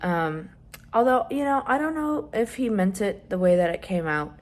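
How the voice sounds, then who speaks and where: A young trans man chatting casually in a vlog, rambling with lots of fillers and some swearing, his voice rising when he gets excited. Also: normal speed. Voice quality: voice still fairly high, rising when excited. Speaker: vlogger.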